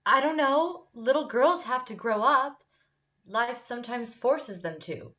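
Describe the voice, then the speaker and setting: Woman as a young daughter, slightly high, muffled recording. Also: animated, a little slow, sharp tone. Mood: earnest, patient. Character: gentle, subdued young woman, a patient grown-up daughter. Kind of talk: dramatic table read of a screenplay.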